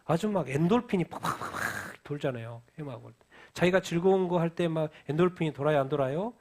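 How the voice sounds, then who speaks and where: A man preaching a sermon as pastor, who asks the congregation questions and answers them himself, and acts out quoted lines in a loud heated voice. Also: on the high side, lively intonation, fast talker.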